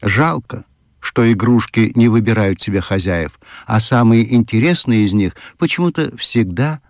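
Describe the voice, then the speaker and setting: Low-voiced man reading a storybook. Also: dry recording, studio quality. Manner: measured, storytelling. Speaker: narrator. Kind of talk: audiobook narration.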